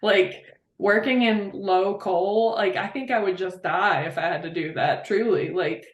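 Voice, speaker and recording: A woman's voice: mid-range voice, unhurried. Heartfelt woman in a roomy space. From Appalachia, West Virginia. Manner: heartfelt, rambling, many fillers. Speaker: guest. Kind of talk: casual interview chat.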